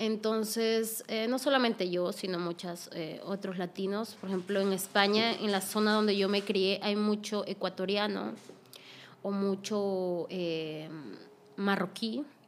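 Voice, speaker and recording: A woman speaks at a fairly slow pace in a plain, everyday voice, with medium pitch and fairly even intonation. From Spain, Castellón de la Plana (born in Trujillo, Peru). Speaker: guest, migrant in Germany. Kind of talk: casual interview.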